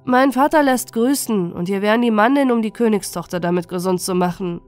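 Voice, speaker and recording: A woman voicing a farmer's careless eldest son in a fairy tale, speaking a little higher and louder. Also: a little fast, faint music behind, natural voice. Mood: eager.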